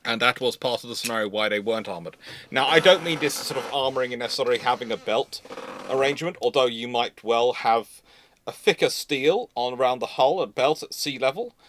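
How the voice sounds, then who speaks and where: A man hosting a live history Q&A, talking off the cuff in a discursive, halting way with many asides. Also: medium pitch, a bit bright, a little hiss or hum. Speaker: host of a live naval history Q&A. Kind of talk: unscripted expert discussion.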